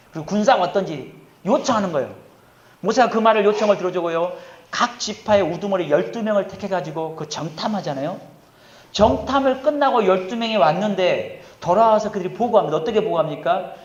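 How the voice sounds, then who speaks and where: A male pastor delivers a sermon in a reverberant hall. He poses questions to the congregation and answers them himself. The recording sounds muffled and lo-fi. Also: high voice. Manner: swings between loud emphasis and quiet asides.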